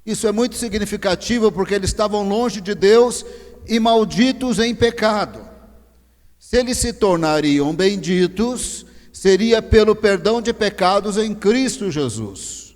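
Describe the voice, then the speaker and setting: Brazilian pastor preaching in a reverberant hall. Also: male voice, lively intonation. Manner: swings from low, slow emphasis to loud, rising exhortation. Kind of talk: sermon. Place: large church hall. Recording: long church reverb.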